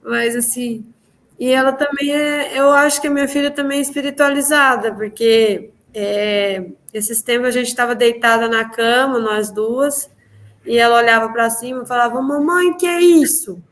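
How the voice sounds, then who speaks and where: A woman with a slightly high voice tells her personal spiritual story in an interview at a moderate pace. Lively and theatrical, she re-enacts the dialogue she remembers and often tacks on tag questions.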